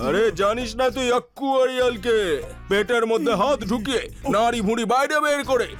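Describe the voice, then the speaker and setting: Shrill-pitched cartoon loan shark, mocking and threatening, music underneath. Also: male voice, brisk, fairly bright tone. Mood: mocking threat. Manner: taunting, threatening. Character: brash menacing gangster moneylender, theatrical and mocking. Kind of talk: animated cartoon voice acting in Bengali.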